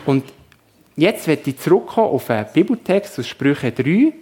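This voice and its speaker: A man, preaching a sermon in a gentle, conversational way. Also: a little high, big pitch swings, normal speed. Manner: gentle, conversational, addresses children. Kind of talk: sermon with storytelling.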